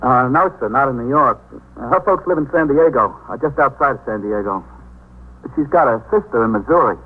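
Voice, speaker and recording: An actor playing an earnest young sailor who stammers and hesitates, with a husky voice, in 1950s radio drama style. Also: male voice, medium pitch, expressive, moderate pace. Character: anxious young male sailor, eager and earnest. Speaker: sailor looking for his family. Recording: tinny 1950s radio recording.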